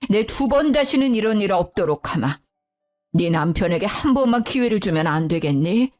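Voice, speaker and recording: Woman doing a stern elderly father-in-law for a storybook read: booming, lively pitch. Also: moderate pace, soft background music, close to an everyday voice. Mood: pleading. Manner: booming scolding, then soft pleading.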